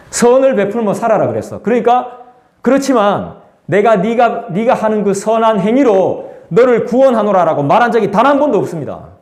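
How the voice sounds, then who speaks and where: A man's voice: high-pitched, a little mellow. A man preaching a sermon as pastor, in a conversational way that acts out the voices of people he quotes. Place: church sanctuary. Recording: echoey church room.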